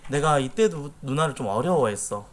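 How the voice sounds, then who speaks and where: Lively chatty male streamer. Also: medium pitch, moderate pace, slight background noise. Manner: chatty, lively, talks to viewers as 얘들아. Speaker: streamer host. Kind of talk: casual stream chat, reminiscing over old clips. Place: home streaming studio. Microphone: studio mic on arm.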